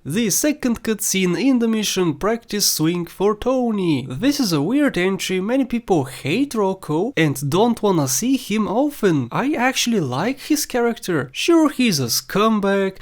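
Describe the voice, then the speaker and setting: High-pitched man, game countdown host. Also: big pitch swings, measured pace, hardly any pauses. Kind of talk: scripted commentary over game cutscenes.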